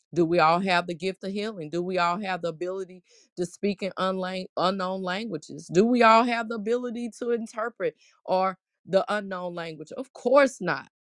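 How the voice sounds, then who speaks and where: Moderate pace and ordinary pitch variation from a woman with a medium-pitched voice. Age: 50s. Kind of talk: devotional talk. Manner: hesitant, many fillers.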